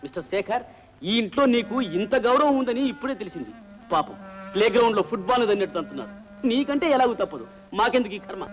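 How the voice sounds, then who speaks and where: Mocking offended friend, sarcastic, high voice, brisk. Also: male voice, very animated, highs cut off, faint music behind.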